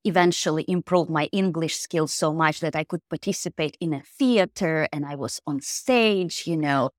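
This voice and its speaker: A woman's voice: sits low, normal speed, no echo, clean studio sound. A woman in her thirties from Ukraine, speaking English with a Ukrainian accent, telling her story thoughtfully in an interview, with many "you know"s. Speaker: podcast guest, mindfulness coach. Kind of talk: casual interview talk.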